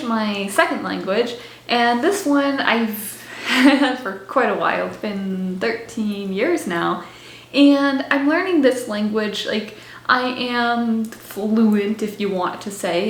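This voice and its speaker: Young woman vlogger, fairly high voice, chatty and giggly, echoey room. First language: English. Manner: bubbly, laughs often between words, chatty with many "like" fillers. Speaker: language-learning vlogger. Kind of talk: casual talk to camera.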